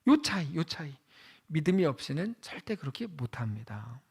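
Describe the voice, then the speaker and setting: Male pastor preaching, high voice that jumps all over, chatty with the congregation. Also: moderate pace, creaky, breathy edge. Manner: conversational, asks the congregation questions; animated, swings from loud to hushed. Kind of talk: sermon.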